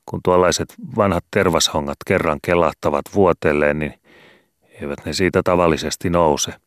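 Very deep-voiced male narrator. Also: dry recording, studio quality. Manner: calm, measured storytelling. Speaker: audiobook narrator. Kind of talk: scripted literary narration.

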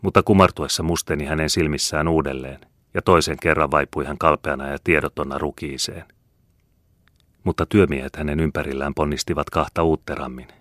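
A man narrating a classic novel as an audiobook in a measured, steady storytelling manner, close to a studio mic. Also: extremely low pitch, no echo. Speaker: audiobook reader.

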